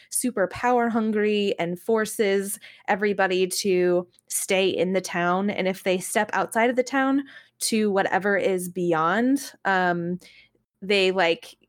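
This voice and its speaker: Female podcast co-host, mid-range voice, relaxed informal phrasing, casual discussion among gamers. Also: medium pitch. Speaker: podcast co-host and games writer.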